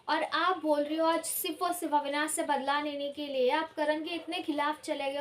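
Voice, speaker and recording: A woman's voice: high-pitched, a little hiss or hum. A woman reviewing a reality show in casual commentary, opinionated and often hesitating as she switches between Hindi and English.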